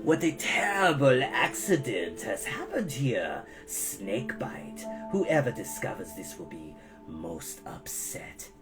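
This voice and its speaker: A reader voicing a menacing adult male villain who talks slowly in a low, whispery snarl. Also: very animated, music in the background. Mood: gloating.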